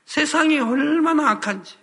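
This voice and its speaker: A man's voice: extremely high pitch, moderate pace, fairly bright tone. A man preaching a sermon as a pastor, earnest and full of rhetorical questions to the congregation.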